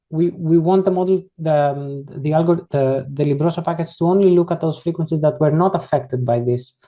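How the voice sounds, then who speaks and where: Mellow-voiced instructor walking through code. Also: mid-range voice. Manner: casual, explains step by step while working through code; frequently rephrases and corrects itself mid-sentence. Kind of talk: online coding tutorial.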